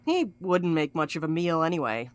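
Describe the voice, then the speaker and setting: A low female voice with big swings of pitch from an actress gives an audio drama a cynical, mercenary schemer. She is blunt and wry, with folksy turns of phrase. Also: sing-song, normal speed. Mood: sardonic. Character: cynical, mercenary, sharp-tongued woman schemer.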